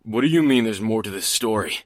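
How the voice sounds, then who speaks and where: A man's voice: on the low side, expressive, a little fast, dry recording, clean studio sound. Blunt, suspicious rural man played by a man. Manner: blunt, folksy. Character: gruff, suspicious rural man, stubborn and plain-spoken. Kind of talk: audio drama acting.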